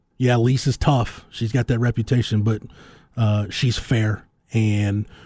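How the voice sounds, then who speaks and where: Somewhat breathy, a man speaks in a dark, mellow tone with flat, monotone intonation. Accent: American. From small-town Texas. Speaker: sports reporter and radio co-host. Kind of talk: casual chat.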